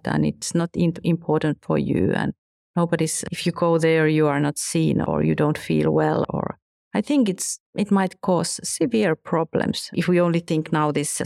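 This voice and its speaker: A woman whose first language is not English, speaking as an interview guest in a halting way, often restarting and searching for words. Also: on the low side, creaky, darkish tone, dry recording, studio quality. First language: neither English nor Finnish. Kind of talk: conversational interview.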